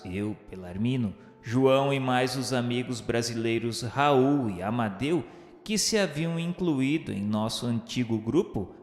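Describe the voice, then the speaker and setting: A man narrating a radio novel in a solemn, grandiloquent, declamatory literary style. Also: mid-range voice. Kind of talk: scripted dramatic literary narration. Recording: echoey hall with faint music. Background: faint music.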